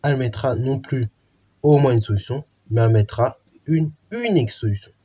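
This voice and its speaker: A man's voice: mid-range voice, normal speed, warm tone, slightly rough. A man teaching a math lesson in an informal way, with many fillers and restarts while he explains a theorem.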